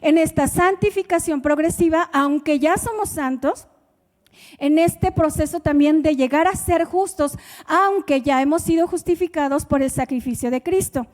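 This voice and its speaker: Mexican woman preacher, high warm voice, chatty sermon, reverberant church hall. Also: normal speed. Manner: conversational, asks the congregation questions.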